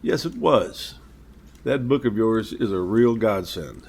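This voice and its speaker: An actor playing a friendly, polite captain in an audio drama, plain-spoken and given to reminiscing. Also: male voice, fairly low pitch, animated, takes it slowly, creaky, darkish tone, breathy edge, full character voice. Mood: friendly, nostalgic.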